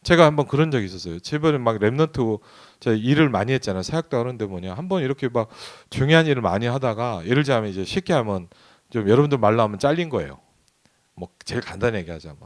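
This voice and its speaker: Lively Korean man preaching in church. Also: medium pitch, fast. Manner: conversational preaching, asks the congregation questions. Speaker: pastor. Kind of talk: sermon. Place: church sanctuary.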